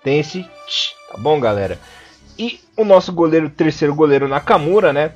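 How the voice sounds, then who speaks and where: On a dull, lo-fi podcast with faint background music, an animated man from southern Brazil, voice on the high side, co-hosts a relaxed chat on name pronunciation. His southern Brazilian Portuguese accent comes through as he patiently repeats names slowly, sometimes cracking crude, blunt jokes.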